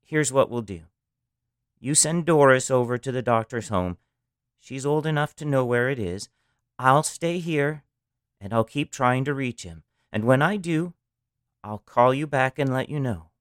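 A man voicing a kindly, firm telephone operator who calms a frightened caller. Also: mid-range voice, measured pace, clean tone, dry recording, clean studio sound, natural voice. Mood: reassuring. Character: calm, commanding woman telephone operator.

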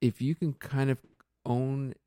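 A man's voice: medium pitch, fairly even intonation, a little slow, warm tone, no room sound, clean studio sound. A man hosting a podcast in casual, reflective chat, thinking aloud earnestly with many fillers and restarts. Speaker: podcast host.

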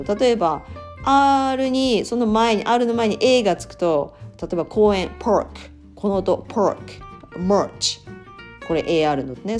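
A woman's voice: fairly low pitch, darkish tone. A woman from Japan explaining English sounds in a chatty, casual way, laughing often and sounding out words. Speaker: English pronunciation podcaster.

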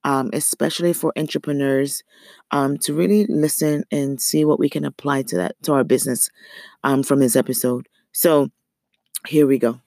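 Earnest woman with a slightly raspy voice. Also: very deep voice, fairly even intonation, moderate pace, warm tone, no echo, studio quality. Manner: earnest and encouraging, repeats phrases for emphasis. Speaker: podcast host. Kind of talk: motivational solo podcast talk.

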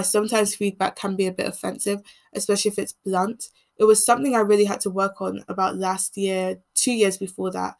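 A young woman from England hosting a podcast, speaking in an earnest, measured monologue, with a voice that turns croaky as she keeps talking. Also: mid-range voice. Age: teens. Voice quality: croaky voice when speaking long. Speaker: podcast host. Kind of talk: reflective solo monologue.

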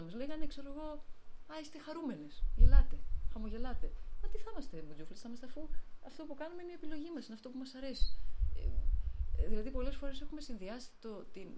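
A middle-aged woman who heads a convent as abbess gives a guest talk on faith, weaving in spontaneous anecdotes and imitating the characters in them. Her voice is a little high and mellow, but the audio is poor, with a little hiss or hum.

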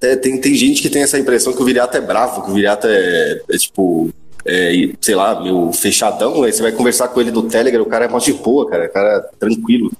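A man's voice: on the low side, fast, roomy sound, soft background music. A man with a Brazilian accent hosting a podcast, telling stories in casual chat full of slang and swearing. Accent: Brazilian Portuguese. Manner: animated slangy storyteller, swears often. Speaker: podcast host.

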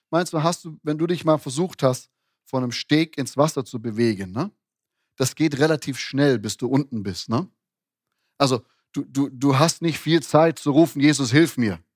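A man's voice: a little high, no room sound, studio quality. A man preaching a sermon in a conversational way, with frequent restarts and tag questions. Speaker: pastor.

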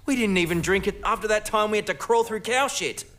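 A man's voice: sits high, a little fast, fairly bright tone. An actor playing an easygoing, loyal male spaceship pilot in a sci-fi audio drama, with breezy, slangy speech. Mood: cheeky, easygoing. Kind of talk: science fiction audio drama acting.

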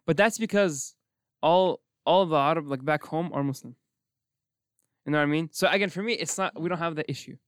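A young man from Morocco hosting a casual podcast chat. He rambles quickly, full of "like" and "you know what I mean". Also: a little high, clean tone, no room sound, studio quality. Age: young adult. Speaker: podcast host.

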